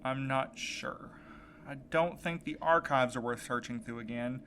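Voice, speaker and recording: Man playing an earnest, determined man, bright-voiced. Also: mid-range voice, unhurried, a little hiss or hum. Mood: earnest, uncertain. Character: determined, anxious young man set on rescuing his friend. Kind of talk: naturalistic audio drama acting.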